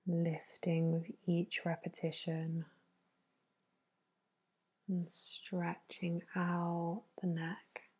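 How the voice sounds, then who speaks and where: A woman whispering a soothing, unhurried ASMR massage narration in a hushed, breathy bedtime voice. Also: fairly low pitch, completely flat delivery. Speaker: facial massage therapist.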